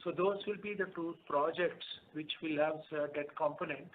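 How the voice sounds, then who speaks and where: A man with an Indian accent answering questions as a company executive on a conference call, explaining haltingly. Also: a little high. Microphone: telephone conference line. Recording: narrowband phone line with background noise.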